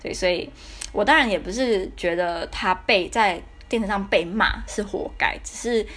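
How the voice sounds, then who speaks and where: A woman's voice: mid-range voice, moderate pace, a bit bright. A young woman from Taiwan with a Taiwanese Mandarin accent, hosting a podcast and telling a personal story in a candid, indignant way, full of fillers. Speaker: podcast host. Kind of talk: casual storytelling monologue.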